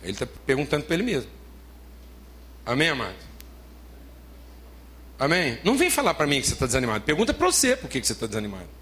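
A man's voice: medium pitch, wildly swooping pitch, fast, pauses often, pushed and bright, slight background noise. A man with a Brazilian Portuguese accent preaching a sermon as pastor, emphatic, repeating phrases and calling listeners beloved.

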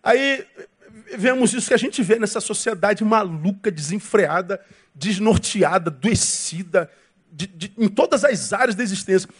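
A male pastor with a Brazilian Portuguese accent, preaching a sermon in a lively way and acting out quoted voices with humor. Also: sits high, moderate pace, slightly rough.

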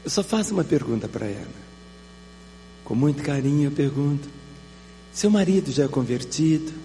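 High, gravelly Brazilian pastor preaching. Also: male voice, expressive, moderate pace, warm tone. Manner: emphatic preaching with repeated rhetorical questions. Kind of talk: sermon. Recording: reverberant hall with faint mains hum.

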